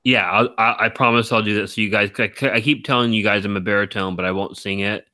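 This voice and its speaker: A man hosting a live stream, talking in a rambling, teasing way with a deep baritone voice, very tired. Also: steady tone, quick pace, sharp tone, no room sound, clean studio sound. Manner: rambling, teasing, laughs often. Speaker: stream host. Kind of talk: casual chat.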